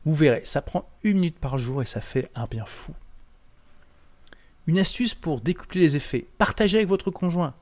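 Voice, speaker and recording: Punchy animated French motivational man. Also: fairly high pitch, normal speed. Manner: punchy, animated, emphatic delivery. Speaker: self-help presenter. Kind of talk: motivational talk to camera.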